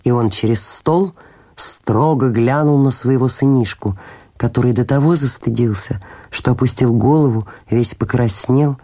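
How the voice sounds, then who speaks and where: Mellow, measured storybook narrator. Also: medium pitch. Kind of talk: audiobook storytelling.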